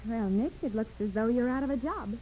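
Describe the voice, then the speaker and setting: A woman's voice: a little high, fairly quick, warm tone, close to an everyday voice. A woman playing a loyal, earnest detective's assistant who asks questions in a 1940s radio crime drama. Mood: puzzled. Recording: noisy vintage 1940s radio recording.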